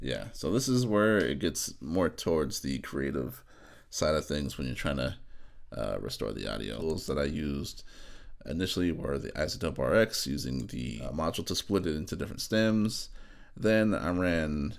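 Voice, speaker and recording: A man with a very low voice and a creaky fry talks through a software demonstration. His intonation moves around in a lively way. He sounds informal, like an audio engineer thinking out loud as he works. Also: normal speed. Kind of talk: casual screen-recorded tutorial narration.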